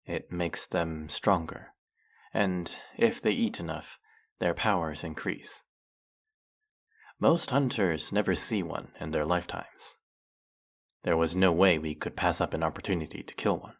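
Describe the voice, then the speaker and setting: A man acts out a brooding vampire, centuries old, who hunts other vampires. His voice is very deep and thick with gravelly fry. He speaks slowly and deliberately, leaving dramatic pauses as in an intimate audio drama monologue. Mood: grim, regretful. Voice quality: gravelly, low. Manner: slow, measured, dramatic pauses.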